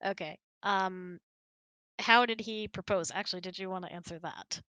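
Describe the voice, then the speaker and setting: A woman's voice: on the low side, moderate pace, sharp tone, no echo. A woman in her thirties, giggly and chatty, hosting a casual question-and-answer hangout. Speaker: host. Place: indoors, close and dry online voice hangout.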